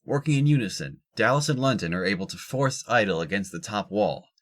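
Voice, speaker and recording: A man's voice: fairly low pitch, expressive, fairly quick, a bit bright. A man reading scripted narration for an audio drama.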